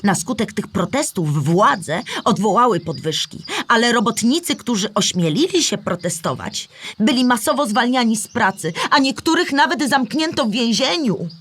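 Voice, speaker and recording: A woman playing a knowledgeable storyteller character, narrating history in a measured, explanatory way with a husky voice. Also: fairly high pitch, animated, fairly bright tone. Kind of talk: scripted educational narration.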